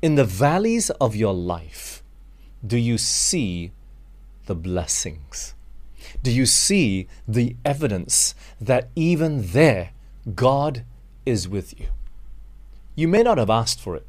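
A man's voice: mid-range voice, big pitch swings, slow pace, long pauses, a little mellow. A Malaysian man preaching a sermon, earnest and direct, calling his listeners friends and asking them rhetorical questions.

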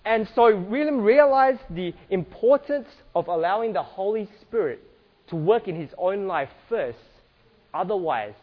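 A man from Singapore giving an earnest church talk about slides, restarting often and filling pauses with "uh". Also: high-pitched, lively intonation, lo-fi sound. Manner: earnest, many restarts and fillers. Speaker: church speaker.

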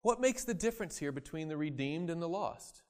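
A man preaching a sermon, acting out quoted voices and swinging from loud emphasis to quiet asides. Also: fairly high pitch, animated, a little fast. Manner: dramatic, acts out voices in quoted scripture.

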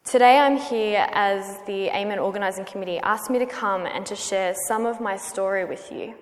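An Australian woman in her thirties, praying and then giving her personal testimony as a guest speaker in a church, earnest and measured. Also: mid-range voice. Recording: long hall reverb.

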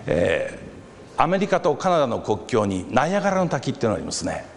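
A man preaching a sermon, telling a story and acting out the voices of a crowd with lively animation. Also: medium pitch, a little fast, gravelly. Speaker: pastor. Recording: reverberant hall with faint background noise.

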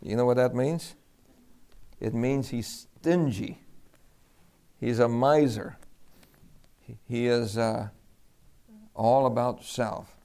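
A man from Puerto Rico preaching a sermon, telling a lively personal story and acting out the dialogue. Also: mid-range voice, slow pace, pauses often, clear, resonant tone.

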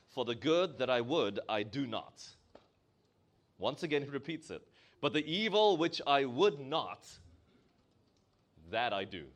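A man's voice: mid-range voice, fairly bright tone. A male preacher with a Malaysian accent, delivering a sermon and asking his congregation questions as he stresses key words.

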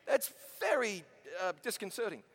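A man preaching with a New Zealand accent touched by American sounds. His voice sits high, and he tells his story in a lively, joking way. A long reverb trails his words across a big hall. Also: moderate pace, vocal fry, slightly rough. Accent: New Zealand with an American tinge. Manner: animated, chatty, self-mocking asides. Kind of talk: storytelling sermon.

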